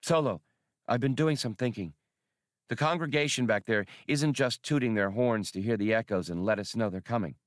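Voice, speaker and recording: A man's voice: mid-range voice, normal speed, no echo, natural voice. A shrewd, plain-spoken woman adventurer, voiced by a male narrator in a space adventure audiobook. She is direct and a little wry, and the sound is dry and close. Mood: wary. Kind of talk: audiobook character voice.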